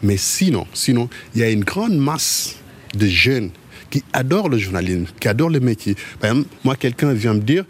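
A man from Mauritania, a journalist answering interview questions in a halting way, often repeating words as he searches for them. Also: medium pitch, big pitch swings, slightly rough. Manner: halting, with frequent word repetitions.

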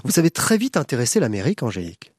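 A man's voice: medium pitch, wildly swooping pitch, rapid-fire, slightly rough, no room sound. Guy interviewing a guest in studio, admiring, long winding questions, dry close mic, medium voice. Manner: warm, admiring, builds long questions with fillers. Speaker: radio interviewer. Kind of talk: interview hosting. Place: recording studio.

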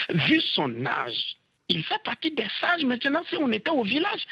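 A man's voice: high voice, slightly rough. A male caller on a radio call-in show, speaking with passion and pleading, often stumbling and restarting his words. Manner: impassioned, pleading, halting restarts. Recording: dull phone line.

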